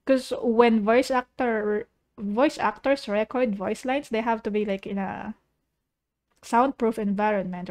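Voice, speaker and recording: High-voiced, unhurried woman streamer. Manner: giggly, rambling, playful. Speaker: streamer reacting to videos. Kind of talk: casual livestream reaction chat. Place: living room.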